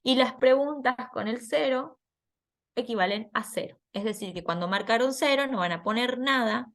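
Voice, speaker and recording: A woman's voice: mid-range voice, a bit bright. A woman patiently explaining a scoring worksheet to students in an online class, laughing at herself now and then. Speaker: teacher.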